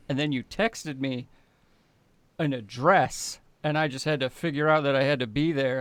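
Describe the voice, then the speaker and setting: A man's voice: medium pitch, a bit bright, smooth, no echo. A man playing a tabletop roleplaying game, joking and teasing in casual, irreverent banter.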